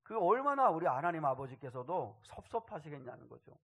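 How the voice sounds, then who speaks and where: A man, a pastor, preaching a sermon in a storytelling way that builds to loud, impassioned outbursts. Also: fairly high pitch, sing-song, brisk, slightly rough.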